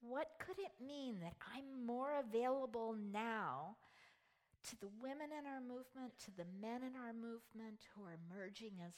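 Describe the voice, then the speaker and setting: A woman speaks with a warm tone at a high pitch. Her intonation is lively and her pace fairly slow. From US Northeast. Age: 60s. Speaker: women's ministry speaker. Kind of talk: sermon. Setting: stage with audience. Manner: warm, humorous.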